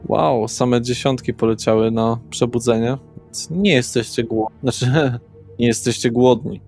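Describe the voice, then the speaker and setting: A man runs a tabletop role-playing session as game master. His voice sits at an average male pitch. Soft music plays underneath. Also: fairly even intonation, a little slow. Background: background music.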